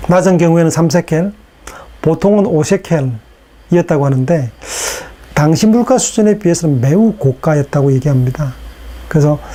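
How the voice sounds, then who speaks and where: A man giving a recorded lecture in a casual, unhurried way, with fillers and rhetorical questions, his voice strained from hours of recording. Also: fairly high pitch, mellow.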